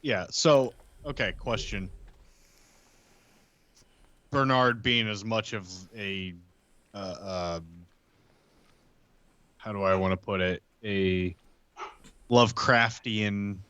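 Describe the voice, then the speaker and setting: A man on a tabletop role-play podcast, chatting casually and deliberately while feeling for his words. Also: fairly low pitch, pushed and bright, smooth, dry recording, lo-fi sound.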